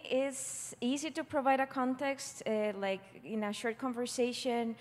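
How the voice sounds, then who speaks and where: Woman from Costa Rica asking a question. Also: fairly high pitch. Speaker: audience member asking a question. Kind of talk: question from the floor. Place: large conference hall. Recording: reverberant conference hall.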